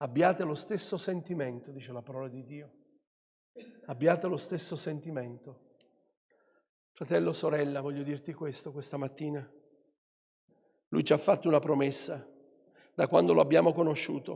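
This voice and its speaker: Speaking at a moderate pace with a fairly high pitch, a man has a dark, mellow tone with vocal fry, ordinary pitch variation, big swings in loudness, and long, frequent pauses. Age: 60s. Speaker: pastor. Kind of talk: sermon. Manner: animated.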